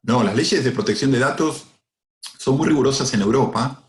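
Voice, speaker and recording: A man's voice: mid-range voice, moderate pace, reverberant. A man from Argentina with an Argentine Spanish accent, answering audience questions as a cybersecurity speaker in a webinar, with many fillers and tag questions.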